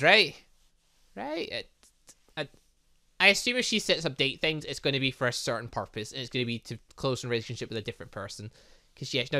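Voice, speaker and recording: Young man, gaming commentary, fairly high voice, bright tone, rambling chatty delivery. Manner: chatty, rambling, humming filler sounds. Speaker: gaming YouTuber. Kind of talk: let's play commentary, reading dialogue aloud.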